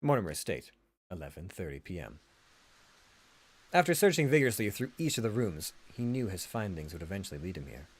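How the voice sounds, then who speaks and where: A man reading a visual novel aloud as an expressive narrator. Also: low-pitched, brisk, slightly rough. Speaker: host of a read-aloud channel. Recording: music behind the voice.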